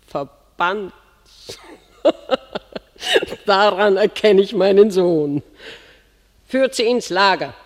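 Casting: commanding, mocking older queen for a radio classic, measured and stately, ringing in a big hall. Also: medium pitch, lively intonation. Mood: gloating. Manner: imperious, mocking, declamatory. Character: haughty scornful enemy queen, commanding older mother. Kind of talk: classic German radio drama acting. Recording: long reverberant hall.

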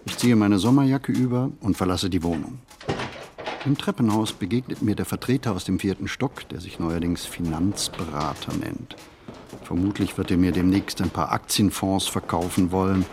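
An actor playing a pensive, hesitant city stroller in a radio play monologue, speaking deliberately and haltingly with a husky voice. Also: male voice, sits low, noisy background. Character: male pensive, hesitant city stroller musing on everyday life.

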